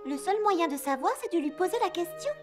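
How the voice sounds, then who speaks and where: A very high, girlish voice for a kind cartoon friend. She is expressive, encouraging and reassuring, with music behind her. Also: brisk. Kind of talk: animated children's cartoon dub.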